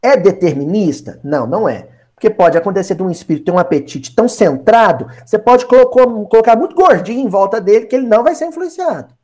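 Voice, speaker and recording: A man leads a spiritist Bible study in a loose, conversational style. His speech moves through a wide, lively range of pitch, and he keeps turning to his listeners to make a point. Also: fast, few pauses. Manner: animated, talks directly to listeners, acts out quotes. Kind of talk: conversational lecture.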